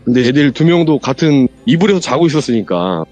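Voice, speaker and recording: A man guests on a horror radio show, casually recounting a true ghost story and animatedly acting out the lines people said. His voice is medium-pitched and quick, with faint music in the background.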